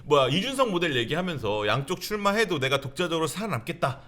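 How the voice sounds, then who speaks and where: Brisk male panelist with a slightly high voice who keeps the conversation moving with quick prompts. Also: very animated, fairly bright tone. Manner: quick interjecting, prompting questions. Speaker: political talk show panelist. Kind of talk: political talk show discussion.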